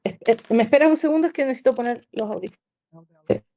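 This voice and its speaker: A woman giving an academic lecture over a video call, pausing with fillers and tag questions. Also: a little high, expressive, dark tone. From Chile. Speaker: guest lecturer.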